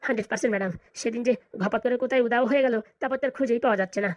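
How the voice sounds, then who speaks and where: A performer voicing a fawning, flattering lawyer sidekick in a comedy cartoon, eager and colloquial. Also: medium pitch, racing, dry recording, clean studio sound, lightly acted. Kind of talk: exaggerated cartoon comedy dialogue.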